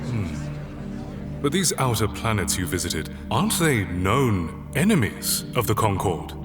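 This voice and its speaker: An actor playing a stern, controlled authoritarian leader who speaks in a measured, pompous, formal public-address manner. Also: male voice, fairly low pitch, big pitch swings. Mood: coolly challenging. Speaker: presiding official. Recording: long hall reverb, faint music behind.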